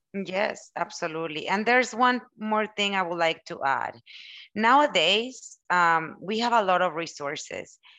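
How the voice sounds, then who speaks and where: At a fairly slow pace, a woman with a Mexican accent and medium pitch speaks with lively intonation. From Mexico. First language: Spanish. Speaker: HR professional and executive recruiter. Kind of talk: interview conversation.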